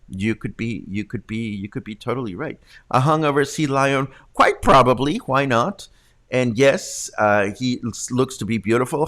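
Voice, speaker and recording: A man's voice: mid-range voice, a bit bright. A man in his fifties hosting a casual local news livestream from home, congested from allergies, chatting through viewer comments. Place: home room with studio mic. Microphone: large studio condenser mic.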